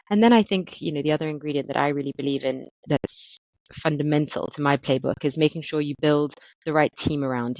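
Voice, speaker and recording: A woman's voice: low voice, a little mellow, dry recording. Woman, 30s, from South Africa; considered interview guest who restarts phrases; dry, slightly dull recording. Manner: thoughtful, repeats words while finding phrasing. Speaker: guest, marketing director. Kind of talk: interview answers.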